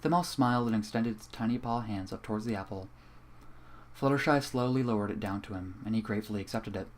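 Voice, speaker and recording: Young man reading a story calmly. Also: on the low side, fast talker, slight background noise. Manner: casual and profane in the intro, then calm and even while reading. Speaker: fanfiction reader. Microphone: home computer microphone.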